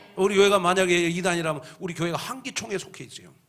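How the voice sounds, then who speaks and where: With audible room echo, a man speaks in an animated tone at a high pitch. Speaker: pastor. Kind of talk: sermon. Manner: animated, conversational.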